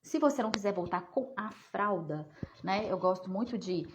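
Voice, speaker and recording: A woman's voice: mid-range voice, normal speed, a little hiss or hum. A woman, a psychologist answering viewer questions in a chatty live talk, often checking in with "né?". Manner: chatty, often asks "né?", talks to viewers as "gente". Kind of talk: casual live Q&A.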